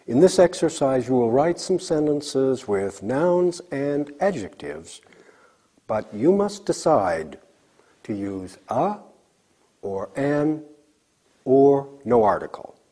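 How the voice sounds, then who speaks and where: A man teaching a recorded English lesson, slowly drilling example sentences for learners to repeat. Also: medium pitch, sing-song, dark tone, slightly rough.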